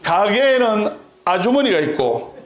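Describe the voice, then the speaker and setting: A man's voice: high-pitched, very animated, a little slow, reverberant. A man telling a joke in a sermon, voicing a learned professor who gives playful answers. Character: joking, learned male professor.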